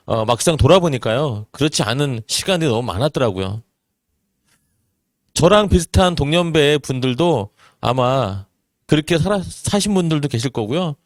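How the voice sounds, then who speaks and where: Earnest forties male presenter, animated delivery, dry recording. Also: fairly high pitch, dry recording. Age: 40s. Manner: earnest, rhetorical questions, many "eo" fillers. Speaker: network marketing business presenter. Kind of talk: seminar talk to an audience.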